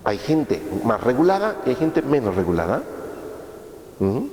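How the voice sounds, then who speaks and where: A man gives a course lecture in a relaxed, conversational manner, often stopping to ask his listeners a question or check they follow. His voice sits in the middle range. It rings through a large echoey hall, with a faint hum of the room behind him. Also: medium pitch, moderate pace. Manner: conversational, asks rhetorical questions with tag checks.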